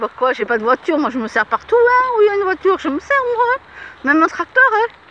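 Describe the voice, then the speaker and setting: Her raised, projected voice swings very widely in pitch as the woman talks at a moderate pace, the sound dry with no echo and light background noise behind her. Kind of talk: casual vlog chat. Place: garden. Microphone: phone near.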